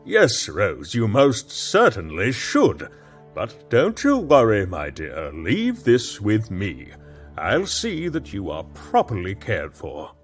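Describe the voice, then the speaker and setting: An actor playing a flustered but kindly baron who stammers, then gently reassures. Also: male voice, lowish voice, huge pitch swings, takes it slowly, breathy edge, faint music behind, exaggerated voice. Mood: flustered concerned. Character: flustered middle-aged male baron, kindly advisor. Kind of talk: audio drama acting.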